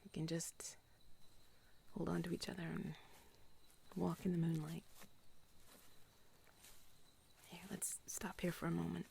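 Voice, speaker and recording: A woman playing an affectionate, playful companion on a moonlit walk in an intimate whispered role-play, with a soft, breathy voice. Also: fairly low pitch, little pitch movement, normal speed, a little hiss or hum. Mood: tender, intimate.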